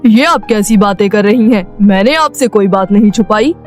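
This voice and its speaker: A woman voicing an earnest, caring middle-aged father in an animated moral story. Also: mid-range voice, normal speed, faint music behind, lightly acted. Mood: worried, confused.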